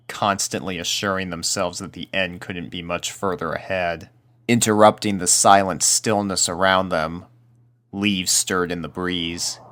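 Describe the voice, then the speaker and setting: A man's voice: sits low, sharp tone. A man reading a spooky story aloud as a scripted narrator.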